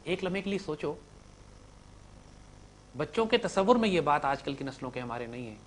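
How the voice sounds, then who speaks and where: A man with a Pakistani Urdu accent delivers an impassioned religious lecture to young students at a moderate pace, his delivery sing-song. He swings between loud declaiming and low-voiced asides.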